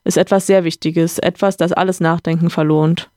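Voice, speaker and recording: A reader doing a musing old-school gentleman. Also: medium pitch, little pitch movement, normal speed, dry recording, clean studio sound, close to an everyday voice. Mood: earnest lecturing. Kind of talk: reading a novel aloud.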